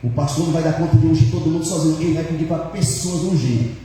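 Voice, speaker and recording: A man playing a calm evil spirit who reassures a satanist, in a roomy church hall. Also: on the high side, fast talker, a little hiss or hum, lightly acted. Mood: reassuring.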